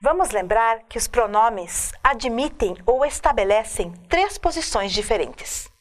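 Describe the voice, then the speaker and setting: A woman teacher giving a recorded grammar lesson, slowly and deliberately listing examples one by one at a board. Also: a little high, lively intonation. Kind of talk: video lecture on grammar.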